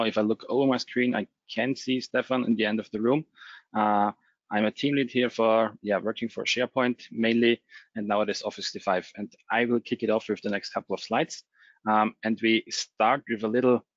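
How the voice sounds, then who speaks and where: A man giving a technical webinar presentation, relaxed and full of fillers. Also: lowish voice, dry recording, dull audio. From Austria. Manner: relaxed, many fillers and restarts.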